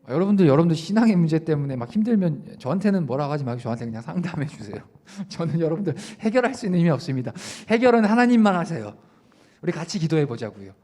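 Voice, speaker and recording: Young guy youth pastor preaching, kinda high voice, keeps asking the kids questions, loud then soft. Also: fast talker. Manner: lively preaching, swings between raised emphasis and quiet asides; addresses listeners directly with questions. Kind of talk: youth sermon. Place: church service.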